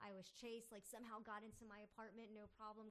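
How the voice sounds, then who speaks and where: A woman with an American accent talks at a fairly quick pace in an unremarkable speaking voice. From Texas. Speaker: podcast guest. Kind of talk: casual chat. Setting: in person at host's home.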